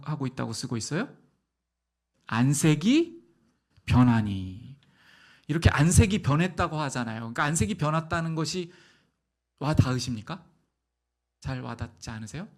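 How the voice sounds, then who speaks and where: Delivering a sermon in a medium-pitched voice, this middle-aged pastor throws rhetorical questions at the congregation. He alternates between hushed, gentle lines and loud, forceful ones.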